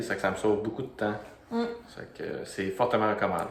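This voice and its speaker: Man at medium pitch, very fast pace and monotone, flat intonation, with noticeable background noise. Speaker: remote office worker, co-host. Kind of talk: casual conversation giving financial tips.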